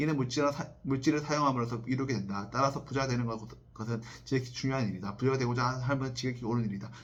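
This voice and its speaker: A man speaks at a medium pitch with fairly even intonation. The room echo is audible. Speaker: reading practice vlogger. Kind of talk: casual reflection; reading aloud. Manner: halting, many self-corrections; fast.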